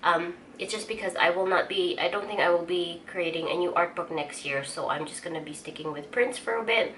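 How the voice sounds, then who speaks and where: Woman rambling casually over steady background noise. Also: on the low side, brisk. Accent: Filipino. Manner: rambling, thinks aloud while sorting stock. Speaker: artist vlogger. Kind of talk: casual chat while working. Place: home art studio. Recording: noisy room ambience.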